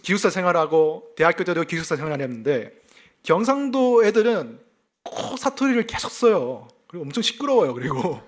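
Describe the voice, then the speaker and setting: A man preaching a sermon in a fairly high voice that rises and falls with lively intonation. He explains a scripture passage and asks his listeners rhetorical questions. He is a pastor from South Gyeongsang who weaves in personal stories. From South Gyeongsang, South Korea.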